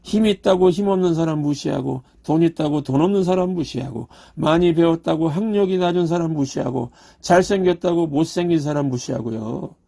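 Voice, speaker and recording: A man's voice: on the high side, brisk, creaky, hardly any pauses, dark tone. A male pastor preaching a Sunday sermon in a church, asking rhetorical questions and acting out quotes. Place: church sanctuary.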